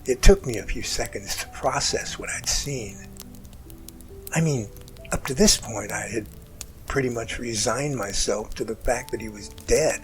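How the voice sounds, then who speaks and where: A man acting in an amateur audio drama as an emotional man haltingly recounting a rescue that overwhelmed him. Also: mid-range voice, faint music behind, close to an everyday voice, rough recording. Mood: shaken, intense.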